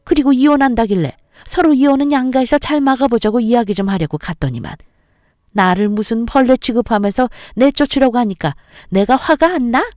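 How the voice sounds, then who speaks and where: Brief: woman voicing a bullying older mother-in-law, harsh and insulting, mellow tone, dry read for a storybook narration. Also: fairly high pitch, a little fast, no echo, pitched above the performer's own voice, natural voice. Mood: scolding.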